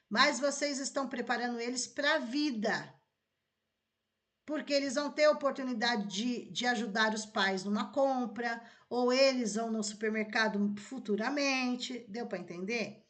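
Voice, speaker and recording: A woman's voice: a little high, fairly bright tone. A Brazilian woman teacher giving a conversational lesson, often checking that listeners follow along. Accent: Brazilian Portuguese. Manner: conversational, checks understanding with tags like "tá?" and "né?". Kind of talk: explanatory lesson.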